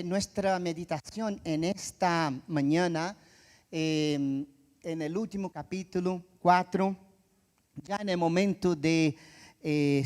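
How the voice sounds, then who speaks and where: A male pastor preaching a sermon, emphatic and reflective, pausing often with "eh" as he thinks. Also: sits high, darkish tone. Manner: reflective, with frequent "eh" pauses.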